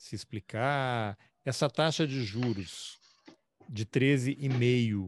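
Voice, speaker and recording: The man's pitch varies in an ordinary way, the sound dry and echo-free against a quiet background. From Brazil. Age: 50s. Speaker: journalist and interviewer; podcast host interviewer. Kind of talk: interview; interview question and conversation. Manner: casual, hesitant. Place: home room. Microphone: studio mic.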